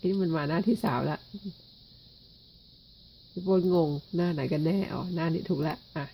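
A woman's voice: lowish voice, normal speed, dark tone, slight background noise. A woman who speaks Thai as her first language, chatting and reading a children's schoolbook aloud with rambling asides. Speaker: online reader.

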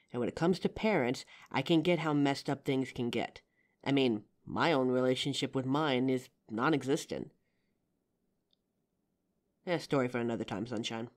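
Protective female bodyguard, played by a woman, flirtatious and caring. Deep register, animated intonation, audio drama intimacy. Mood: gentle concern. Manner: gentle, teasing, reassuring.

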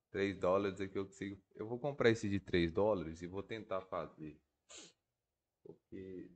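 A Brazilian man with a stuffy, congested nose from a cold, thinking aloud in casual, slangy gameplay commentary. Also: deep voice. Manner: informal, slangy, swearing. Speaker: gaming video creator.

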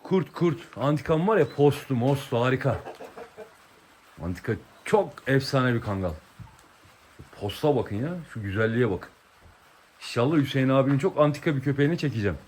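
A man's voice: mid-range voice, expressive, a little fast, pauses often, darkish tone, a little hiss or hum. A man chatting to viewers in a vlog, coaxing his dog affectionately and explaining outdoors. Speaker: vlogger with his dogs. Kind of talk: casual vlog chat to viewers.

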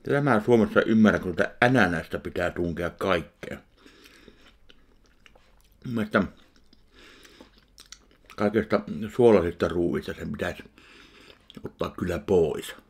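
Middle-aged man, very deep and husky, slow deadpan food reviewer at a kitchen webcam. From Finland. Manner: slow, deadpan commentary between bites. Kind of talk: casual food-tasting vlog. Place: kitchen indoors.

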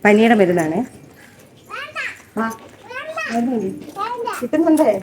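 A high-pitched woman recording a home vlog, half coaxing and half scolding a small child. Her voice is caught on a phone camera, and loud background noise sits under every word. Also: expressive, a little slow, recorded from a distance. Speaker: mother and vlogger.

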